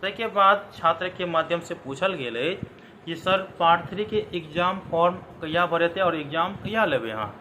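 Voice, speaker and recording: Man hosting a student news channel, bright and higher-pitched, explanatory; faint hiss. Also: lively intonation, normal speed, low-quality recording. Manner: explanatory, repeats points for viewers. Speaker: channel host giving exam news. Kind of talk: direct-to-viewer update. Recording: faint background noise.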